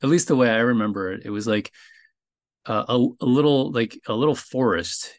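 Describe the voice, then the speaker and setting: A man from New Jersey, a guest on a podcast, talking casually and haltingly, often pausing to find his words. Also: mid-range voice. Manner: relaxed, hesitant, searching for words. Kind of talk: casual chat.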